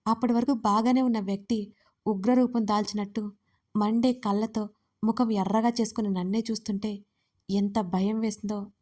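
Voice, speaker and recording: A woman narrating a romance audio serial in the first person as its heroine, speaking her own lines in quotes with a steady storytelling delivery. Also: medium pitch.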